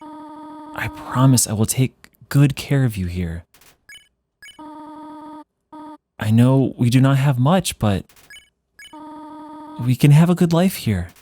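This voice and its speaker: A man voicing a gentle, sorrowful motherly monster from a video game, speaking slowly, tenderly and solemnly. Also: medium pitch, huge pitch swings, a little hiss or hum. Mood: pleading. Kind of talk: voiced read-along of game dialogue.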